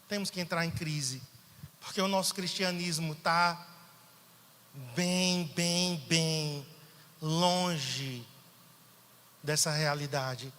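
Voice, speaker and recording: A man from Brazil preaching to his congregation, his high voice bright and tense. He turns from hushed, intimate passages to sudden emphatic bursts. The sound rings with long reverb from a church hall. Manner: animated, shifts from soft to emphatic preaching. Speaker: pastor. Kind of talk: sermon.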